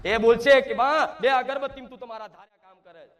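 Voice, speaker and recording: Brisk and a bit bright, this very high male voice keeps a steady tone. In an emphatic devotional sermon, the man, a spiritual medium, speaks as the goddess, a divine mother addressing her devotees in the first person and asking them rhetorical questions.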